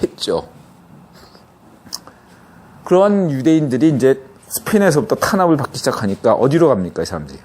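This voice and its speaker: A man's voice: mid-range voice, darkish tone. A middle-aged man hosting a podcast, explaining a topic in a casual monologue, often breaking off and checking in with listeners. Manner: conversational, many restarts and rhetorical checks like "예?". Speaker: podcast host.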